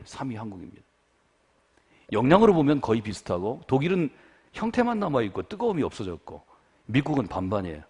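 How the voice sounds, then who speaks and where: A middle-aged man preaching at a revival meeting, his pitch rising and falling through a wide, animated range. He moves between quiet, low asides and loud, fervent exhortation. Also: husky. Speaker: guest pastor. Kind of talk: revival sermon.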